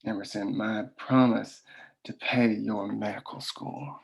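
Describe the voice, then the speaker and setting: A man's voice: lowish voice, steady tone, measured pace, gravelly, poor audio. Man reading stern, domineering boss. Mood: stern, threatening. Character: stern, domineering mine boss and demanding father. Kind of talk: script table read.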